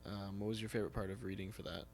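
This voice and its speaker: A man hosting a podcast in a casual, conversational way. His voice has a creaky, gravelly fry to it, and he talks loosely, as if chatting with a friend. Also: fairly low pitch, fairly even intonation, very fast, darkish tone. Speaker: podcast host.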